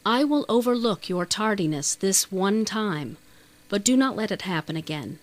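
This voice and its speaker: A woman's voice: medium pitch, animated, normal speed, lightly acted. Woman narrator playing a male schoolmaster, stern, controlled, formal, clipped, storybook dialogue. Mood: stern warning.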